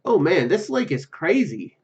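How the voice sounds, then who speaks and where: A man's voice: high-pitched, very animated, unhurried. Dull-sounding male gamer reading aloud. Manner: stumbles and self-corrects while reading. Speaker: gaming video host. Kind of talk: reading game narration aloud with casual commentary.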